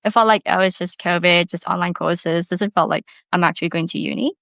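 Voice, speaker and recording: A woman's voice: lowish voice, steady tone, a little fast, creaky, a bit bright, no echo. A woman in her early twenties with an Indonesian accent, telling her own story casually as a podcast guest, in a chatty, informal way peppered with "like". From Bali, Indonesia. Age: early 20s. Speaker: podcast guest, university student. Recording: slightly dull, lo-fi audio.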